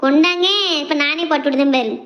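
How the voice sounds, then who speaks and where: A woman's voice: high voice, quick pace, lo-fi sound, close to an everyday voice. A woman playing a devoted young adult daughter who coaxes and teases her mother. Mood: teasing. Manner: earnest, coaxing, playful. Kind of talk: family drama skit.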